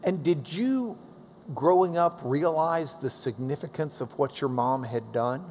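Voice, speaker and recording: A middle-aged man hosting a seated interview on a church stage, jovial and quick with jokes. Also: fairly high pitch, darkish tone. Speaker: host, interviewer. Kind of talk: conversational interview. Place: church stage, large hall. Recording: reverberant hall, faint noise.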